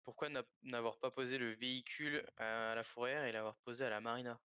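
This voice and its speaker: A man's voice: mid-range voice, steady tone, fairly quick, sharp tone, clean tone, no echo, clean studio sound. A man playing a prosecutor in a roleplay court, formal and insistent.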